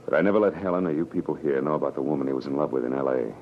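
A man acting a wry, world-weary private detective in a 1940s radio drama, with clipped, slangy, deliberate delivery. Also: extremely low pitch, a little hiss or hum. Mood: gentle, subdued. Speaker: lead actor and narrator. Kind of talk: 1940s radio drama acting, first-person noir narration. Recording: muffled old radio broadcast, music behind.

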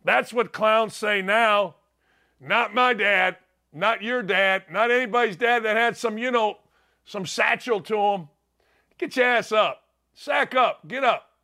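Middle-aged male sports host, studio; high, sharp-toned, sarcastic shouting rant. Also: slow. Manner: loud ranting, mocking, sarcastic.

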